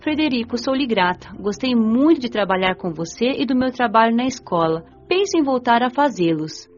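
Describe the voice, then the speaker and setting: A woman with a Brazilian accent playing a gentle, eager young spirit who narrates her story in an audio drama. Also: fairly high pitch, lively intonation, moderate pace, highs cut off, faint music behind, close to an everyday voice. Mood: grateful, curious.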